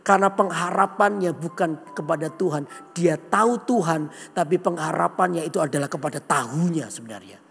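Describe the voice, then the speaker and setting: A man preaches in a large church. His voice sits high with a gravelly edge, and it rings with long hall reverb. He tells stories animatedly, acting out the characters and calling out to the congregation. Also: fairly quick, few pauses, fairly bright tone, soft background music. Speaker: pastor. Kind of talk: sermon with acted-out story.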